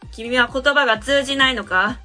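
A woman's voice: sits high, moderate pace, pushed and bright, faint music behind. A woman playing a pompous, domineering adviser in a radio drama, speaking in a lofty, commanding way. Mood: haughty. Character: haughty, domineering adviser of uncertain age. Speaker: adviser character. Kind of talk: amateur web radio drama acting.

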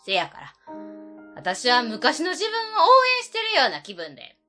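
A woman playing a lively Kansai auntie. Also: on the high side, normal speed, faint music behind, heavily acted. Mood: tender. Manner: chatty, teasing. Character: lively middle-aged prankster aunt, warm-hearted. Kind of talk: amateur web radio drama.

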